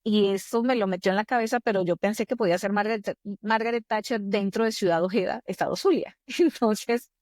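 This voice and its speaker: A woman's voice: medium pitch, brisk, hardly any pauses, darkish tone, no room sound, studio quality. A woman in her fifties from Venezuela, with a Venezuelan accent, telling personal stories expressively as an interview guest. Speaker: podcast guest, executive coach. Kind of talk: conversational interview, personal storytelling.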